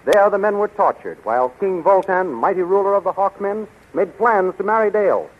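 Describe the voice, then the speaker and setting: A man's voice: sits high, expressive, a little fast. A man announcing and narrating in dramatic, declamatory 1930s radio style. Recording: tinny, hissy 1930s radio recording.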